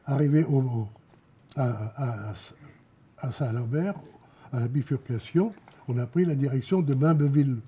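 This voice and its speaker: An elderly man gives spoken testimony in a very dark, muffled timbre with a husky grain. He speaks haltingly, in short phrases, often repeating a word before he carries on. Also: medium pitch. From Alsace, France. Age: elderly, around 90. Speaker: war veteran giving eyewitness testimony. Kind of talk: spoken testimony, recounting memories.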